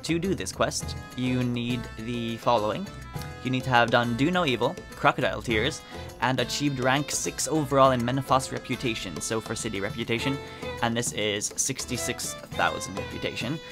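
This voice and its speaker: A man with a medium-pitched voice talks viewers through a game quest in an easygoing, informal way. Faint music runs underneath his casual commentary. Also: normal speed. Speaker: game video host. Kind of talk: casual walkthrough commentary, reading quest dialogue aloud.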